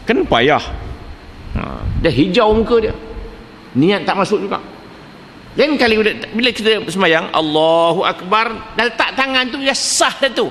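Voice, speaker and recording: A man's voice: sits high, sing-song, normal speed, long pauses, fairly bright tone, a little hiss or hum. An older man with a Malaysian Malay accent giving a religious lecture, telling anecdotes, acting out the dialogue and chuckling at his own jokes. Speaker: preacher. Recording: reverberant hall, faint ambience.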